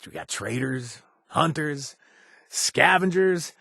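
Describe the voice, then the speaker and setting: An actor playing a remorseful former gang member and recovering addict who now runs a bar, talking casually with wry asides and trailing hesitations, recorded in a dry booth. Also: male voice, fairly high pitch, expressive, slow, vocal fry, pushed and bright, slightly rough, no echo, exaggerated voice. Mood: grateful. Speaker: companion character. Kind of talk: video game voice acting.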